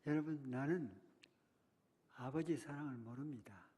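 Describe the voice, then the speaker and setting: A man's voice: medium pitch, a little slow, warm tone, breathy edge. An older man preaching a sermon, telling a childhood story and acting out the cries and words of the people in it. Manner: dramatic retelling, voicing childhood cries and a teacher's words. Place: church. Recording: long reverb of a church hall.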